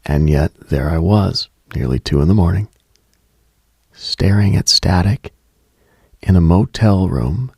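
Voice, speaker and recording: A man hosting a late-night mystical radio show, telling eerie reflective stories in a hushed, halting, musing way with a gravelly, husky, breathy voice close to the mic. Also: low-pitched, no echo.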